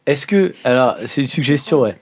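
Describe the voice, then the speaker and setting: A man's voice: mid-range voice, expressive, moderate pace. A man chatting casually as a player in an improvised role-playing game. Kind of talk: casual improvised table chat.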